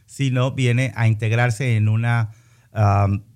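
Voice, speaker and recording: A man's voice: medium pitch, steady tone, takes it slowly, a little mellow. Chatty male host. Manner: chatty, joking, restarts phrases often. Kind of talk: casual radio interview.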